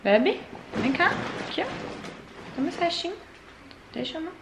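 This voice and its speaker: A woman vlogging casually to her viewers from a bedroom at night, talking in a chatty way that often drops to a hushed murmur. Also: extremely high pitch, animated, moderate pace, echoey room, noisy background. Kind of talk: casual vlog chat to viewers.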